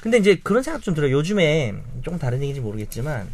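Fast, animated Korean man hosting. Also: on the high side. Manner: animated, fast, leads the discussion with questions. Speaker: podcast host. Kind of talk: casual panel discussion.

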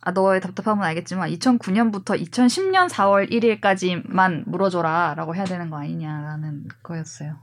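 A woman's voice: lowish voice, expressive, a little fast, hardly any pauses. A woman reporter on a panel show, chatting casually in a tentative, questioning way. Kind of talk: casual chat.

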